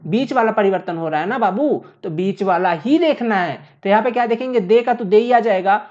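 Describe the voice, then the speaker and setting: A woman's voice: mid-range voice, fairly quick, a little mellow, lo-fi sound. A woman teaching a lesson at a board, explaining step by step and asking questions she then answers herself. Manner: repeats points, asks and answers her own questions. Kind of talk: classroom lecture at a board.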